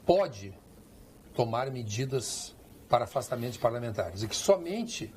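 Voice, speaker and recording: A middle-aged man arguing his views as a commentator on a TV panel, emphatic and quick to repeat his point. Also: medium pitch, a little hiss or hum. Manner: animated, argumentative, emphatic repetitions. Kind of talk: opinionated panel debate. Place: TV studio.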